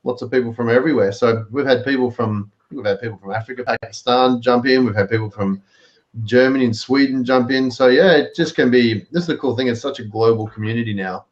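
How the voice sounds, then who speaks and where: A man's voice: medium pitch, fast. Australian man hosting a live stream. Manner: relaxed, explanatory, many fillers. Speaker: live stream show host. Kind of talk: casual chat. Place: home, in the US. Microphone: video call. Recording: dull lo-fi video call audio.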